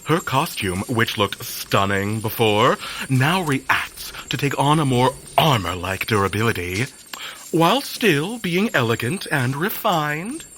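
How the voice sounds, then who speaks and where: An actor playing a flamboyant, theatrical mutant fashion designer with effusive, genteel phrasing in an audio drama. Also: male voice, medium pitch, expressive, measured pace, a bit bright, a little hiss or hum, low-quality recording. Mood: effusive, showy.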